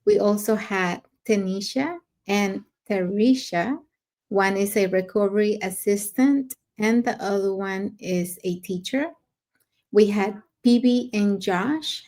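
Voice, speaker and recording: A woman from Mexico co-hosts in a medium-pitched voice, cheerful as she announces names and items one after another. Her tone stays casual throughout. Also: slow, darkish tone. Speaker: podcast co-host. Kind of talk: casual podcast talk.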